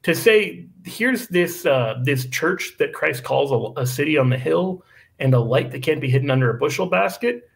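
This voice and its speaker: A man in his thirties, a guest on a podcast, making an animated, argumentative case over a video call. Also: fairly high pitch, gravelly. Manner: animated, argumentative, quick asides. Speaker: guest apologist. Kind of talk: casual podcast discussion. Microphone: video call microphone.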